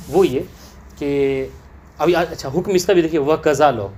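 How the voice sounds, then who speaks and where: Male teacher of religious law, highish voice, lecturing students with frequent comprehension checks. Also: darkish tone, slight background noise. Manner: checks understanding with rhetorical questions to students. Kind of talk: classroom lecture explaining a text. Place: teaching session with students present.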